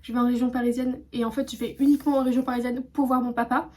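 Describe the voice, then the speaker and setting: Woman, from France, high voice, casual vlog chat, rambling with fillers, hotel room, phone camera. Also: little pitch movement, racing, mellow. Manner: chatty, rambling, many fillers and restarts. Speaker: vlogger.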